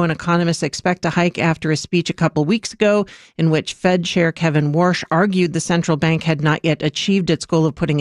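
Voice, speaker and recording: Radio news reader, measured and even delivery, dry recording. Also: medium pitch, no echo. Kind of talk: radio newscast.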